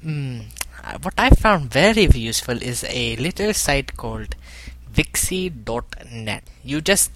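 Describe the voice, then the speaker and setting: A man's voice: mid-range voice, expressive, measured pace, a bit bright, slight background noise. A man co-hosting a comedic podcast, playful and agreeable, often repeating his words. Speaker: podcast co-host.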